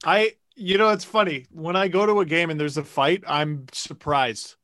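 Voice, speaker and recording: Higher-voiced man, dry close sound. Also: steady tone, normal speed, a bit bright, no echo. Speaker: podcast co-host. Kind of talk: casual sports podcast chat.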